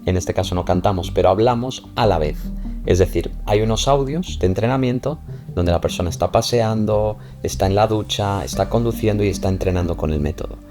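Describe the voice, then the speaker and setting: A very deep-voiced man explains his teaching method. He demonstrates pronunciation drills aloud, repeating the sounds over faint background music. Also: a little fast. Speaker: language teacher.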